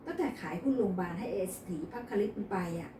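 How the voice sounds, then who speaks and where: ผู้หญิงเล่นเป็นลูกชายเจ้าสำราญ ปากจัด. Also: female voice, medium pitch, sing-song, quick pace, warm tone, a little hiss or hum, natural voice. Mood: excited. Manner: crude, teasing. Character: brash playboy son, adult man. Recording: echoey room, distant mic.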